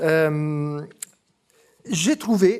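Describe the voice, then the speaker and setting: This is a man with an Italian accent. His pitch variation is ordinary. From Italy. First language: Italian (speaking French). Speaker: company executive. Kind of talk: corporate results presentation. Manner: hesitant, many filler sounds.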